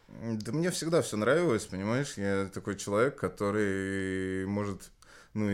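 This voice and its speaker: A man with a normal speaking voice talks at a fairly slow pace, his pitch fairly low. The recording is very clean, with a silent background. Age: 30s. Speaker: former banker turned party organizer. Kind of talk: casual chat.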